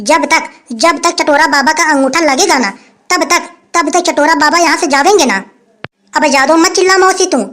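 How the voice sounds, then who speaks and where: Casting: male actor as a shrill, bullying village chief who keeps repeating his threats. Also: bright, forceful tone. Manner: blustering, threatening, repeats phrases. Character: boastful greedy male village headman, blustering. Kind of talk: comic sketch acting.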